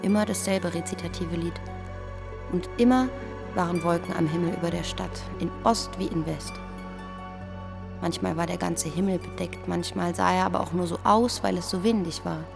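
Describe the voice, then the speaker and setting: An actress playing a dreamy young woman who muses aloud from her diary in a radio play, speaking in a deliberate way. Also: lowish voice, fairly even intonation, vocal fry, over music. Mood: dreamy, musing. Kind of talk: scripted first-person monologue in a radio play.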